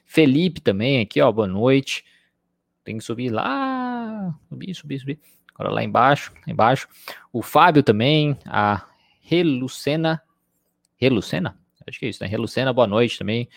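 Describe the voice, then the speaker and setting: Speaking at normal speed with a medium pitch and some vocal fry, a Brazilian psychologist leads a conversational live-streamed lecture, often using tag questions. His accent is Brazilian Portuguese, and the audio is clean studio sound without room echo.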